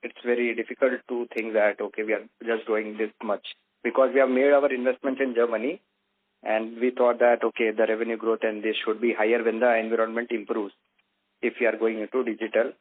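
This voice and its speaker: A man's voice: mid-range voice, flat delivery, fairly quick. A man, an investor on an earnings call who presses the management with direct questions. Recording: tinny phone line.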